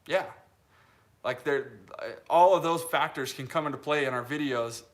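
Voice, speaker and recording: A man's voice: fairly high pitch, normal speed. A man in his late twenties from Utah, hosting a casual live stream and chatting loosely through viewer comments, with lots of fillers and restarts. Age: 20s. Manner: rambling, with many restarts and fillers, laughs easily.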